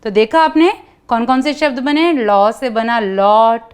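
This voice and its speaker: A woman's voice: fairly high pitch, animated. A woman teaching children letter sounds, asking questions and drawing out each sound for them to repeat. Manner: calls out sounds for children to repeat, stretched slowly; asks many questions. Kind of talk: children's Hindi lesson.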